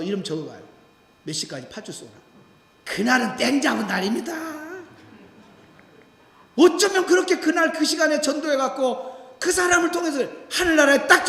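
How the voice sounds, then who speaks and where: A man preaching a sermon as pastor, telling stories and acting out the voices of the people in them. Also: extremely high pitch. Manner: animated storytelling, acting out quoted voices. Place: church sanctuary. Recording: echoey church hall.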